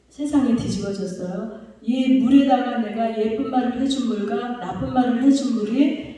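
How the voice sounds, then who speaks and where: A woman pastor preaching a sermon from a distance in a big echoing church hall, her mellow, fairly high voice trailing in long reverb. She keeps asking her listeners questions as she teaches. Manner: asks the congregation rhetorical questions. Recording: echoey hall, voice from far off.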